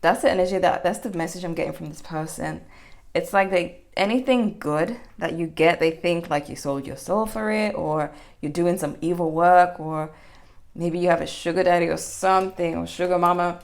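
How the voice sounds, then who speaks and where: A woman's voice: on the low side, normal speed. A woman giving a casual, rambling general tarot reading to her viewers, full of fillers and restarts. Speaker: tarot reader.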